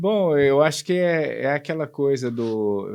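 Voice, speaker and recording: Lively intonation runs through a man's fairly high-pitched speech. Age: 60s. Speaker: pastor. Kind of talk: interview. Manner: halting, repeats words.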